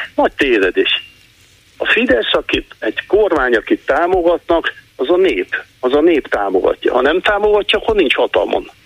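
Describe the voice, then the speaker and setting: A man at a moderate pace, his loudness very even, with noticeable background noise. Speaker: caller. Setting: phone call.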